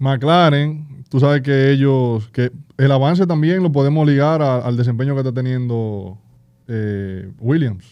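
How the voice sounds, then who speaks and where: The voice has a dark, mellow tone. It moves at a fairly slow pace with ordinary pitch variation. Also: man, medium pitch for a man. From Dominican Republic, Haina. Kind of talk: casual chat.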